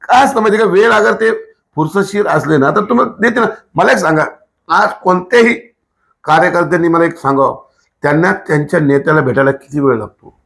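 A man's voice: fairly high pitch, brisk, creaky, a bit bright. A man, an activist answering in a casual interview in a blunt, emphatic way with rhetorical questions. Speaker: political activist, interview guest.

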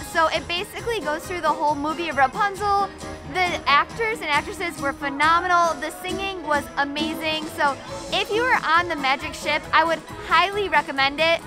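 A woman's voice: extremely high pitch, moderate pace, music in the background. A woman in her thirties, hosting a casual travel vlog with upbeat enthusiasm, filmed on a handheld camera indoors on a cruise ship. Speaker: vlog host. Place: cruise ship dining room, shops and theater, indoors. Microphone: handheld camera at arm's length.

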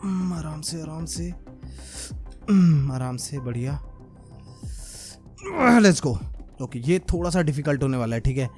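Young man, gaming commentary, talks to himself, sudden excited outbursts, slightly high voice, faint background music. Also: unhurried, pauses often. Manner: talks to himself and viewers, swings from muttering to excited shouts. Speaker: gaming YouTuber. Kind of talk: live gameplay commentary.

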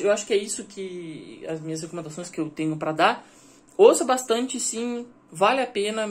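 Man, language vlogger, relaxed conversational delivery with frequent check-ins. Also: high-pitched. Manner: chatty, checks in with the listener often. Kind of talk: casual educational vlog.

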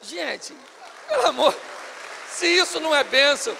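High, gravelly man preaching. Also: animated, normal speed, bright, forceful tone, long reverb tail, some chatter behind, a little hiss or hum. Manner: theatrical, playful. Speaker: pastor. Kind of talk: sermon. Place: church service.

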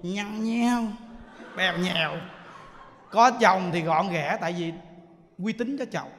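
A man's voice: high voice, slow pace, a bit bright, slight background noise. A man with a Southern Vietnamese accent, a Buddhist monk giving a dharma talk to an audience in a temple hall, telling stories, throwing rhetorical questions at listeners and laughing often. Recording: long hall reverb.

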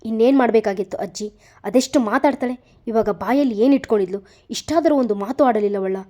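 A woman voicing an angry young man who harshly lectures a girl in quick, loud bursts. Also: a little high, fairly even intonation, highs cut off, close to an everyday voice. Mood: angry scolding.

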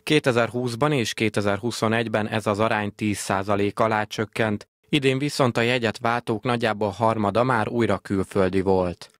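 Low-voiced male news reporter. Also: few pauses, dry recording. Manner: steady, formal read. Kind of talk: scripted news narration. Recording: faint background noise.

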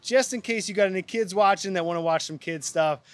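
A man's voice: high-pitched, brisk, no room sound, soft background music. A man in his thirties chatting casually as a guest, easygoing and rambling a little, filmed outdoors. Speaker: guest, host's brother. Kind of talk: casual chat. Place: outdoors in a yard.

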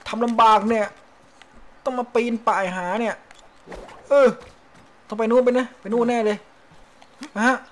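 A man's voice: very high-pitched, steady tone, moderate pace, long pauses, fairly bright tone. A man hosting his own gaming channel, giving casual, joking let's-play commentary and swearing at the game. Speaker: game streamer host.

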